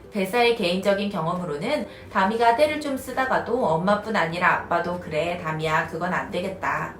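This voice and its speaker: A woman in her thirties calmly explaining parenting advice as the host of an educational video. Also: medium pitch. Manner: calm, even, instructive. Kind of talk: scripted explanatory narration. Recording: roomy echoey recording.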